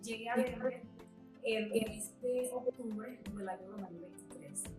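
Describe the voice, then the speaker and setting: A woman's voice: on the high side, unhurried, over music. Venezuelan woman in her forties, echoey. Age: 40s. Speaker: cook. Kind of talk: documentary introduction.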